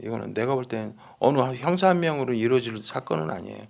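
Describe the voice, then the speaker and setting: A man with a gravelly, creaky mid-pitched voice talks through a criminal case as a commentator. He explains conversationally and emphatically, circling back over his points. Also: animated, fast, darkish tone. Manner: emphatic, explanatory, repeats points, seeks agreement. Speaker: true-crime commentator with detective background.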